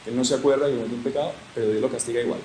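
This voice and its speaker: A man with a Uruguayan accent gives a teaching talk, retelling scripture as a lively storyteller with joking asides. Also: mid-range voice, racing. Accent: Uruguayan Spanish. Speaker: religious formation speaker. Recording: echoey room with faint hiss.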